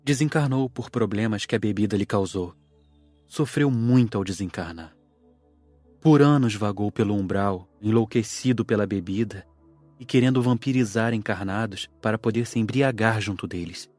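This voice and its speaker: Earnest, sober male student, played by a man, lowish voice, sorrowful audiobook dialogue over faint music. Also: moderate pace, a little mellow, lightly acted.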